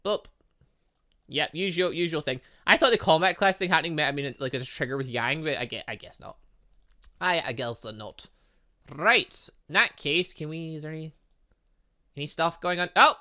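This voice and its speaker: A man giving excitable let's-play commentary, rambling along with playful, exclamatory asides. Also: fairly high pitch, moderate pace. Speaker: gaming channel host.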